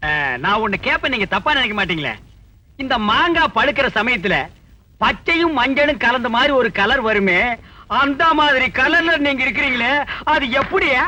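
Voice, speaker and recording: A man's voice: very high-pitched, expressive, moderate pace, bright, forceful tone, heavily acted. An actor playing a vain, boastful village man posing as a head constable, who talks pompously and drops broken English into his lines. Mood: flirting. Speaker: comic actor in a film scene. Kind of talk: film comedy dialogue.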